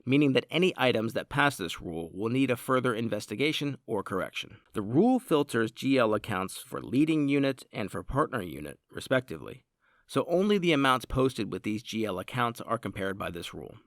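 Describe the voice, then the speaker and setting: A man reading a scripted software tutorial in a measured, formal, explanatory way. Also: medium pitch, sing-song, no echo, studio quality. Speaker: product tutorial narrator.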